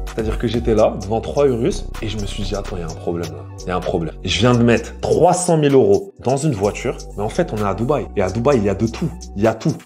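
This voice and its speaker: Young man in his twenties, vlog monologue, boastful, self-assured, mid-pitched voice, faint music behind. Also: mellow. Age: 20s. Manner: boastful, self-assured, addresses viewers directly. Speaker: influencer and investor. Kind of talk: direct-to-camera vlog monologue.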